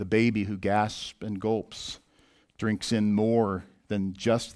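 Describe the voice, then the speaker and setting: In a very clean recording with a silent background, a man with an American accent speaks at a fairly low pitch in a monotone, flat way. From US Midwest (Southwest Missouri). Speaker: pastor. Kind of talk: sermon.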